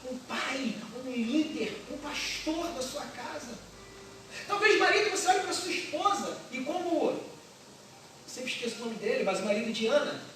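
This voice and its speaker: A high-pitched preacher delivers an emphatic, repetitive sermon full of rhetorical questions. The voice rings through a large, very echoey church hall and is picked up from well back from the speaker. A faint murmur of room ambience sits beneath it. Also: expressive, normal speed, sharp tone, recorded from a distance, slight background noise. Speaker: pastor. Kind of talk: passionate sermon. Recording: echoey hall, recorded from afar.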